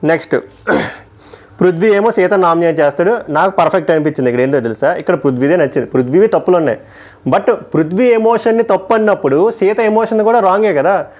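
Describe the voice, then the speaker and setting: Male reviewer, quick emphatic delivery, slightly high voice, opinionated casual commentary. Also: a little mellow. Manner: emphatic, opinionated, quickly switching between points. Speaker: TV show reviewer.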